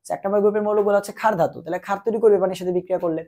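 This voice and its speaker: A man's voice: high voice, fairly even intonation, rapid-fire, mellow. A young man teaching chemistry while feverish, asking questions and answering them himself. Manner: repetitive call-and-answer teaching, quizzing the listener. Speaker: chemistry tutor. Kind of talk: exam-prep lecture.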